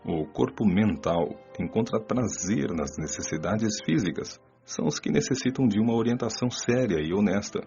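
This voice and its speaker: Man as a low, gravelly spirit mentor. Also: lively intonation, mellow. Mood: calm, instructive. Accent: Brazilian. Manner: didactic, measured explaining. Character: male spirit mentor, calm, serious, instructive. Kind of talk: scripted audiobook radio novel dialogue. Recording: dull lo-fi audio with music. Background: music.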